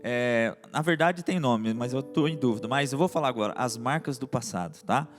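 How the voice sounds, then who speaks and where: A man's voice: mid-range voice, big-room sound. A man singing a worship song, then chatting casually and joking as co-host. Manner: relaxed, joking, quick when chatting. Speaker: singer and co-host. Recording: live music behind the singing. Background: musical instrument accompaniment.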